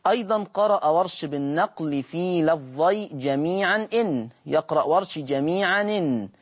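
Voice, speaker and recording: A man teaching Quran recitation on a broadcast lesson, patiently repeating words slowly to demonstrate their sounds. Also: a little high, expressive, slightly rough. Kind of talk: televised Quran lesson, explaining Warsh reading.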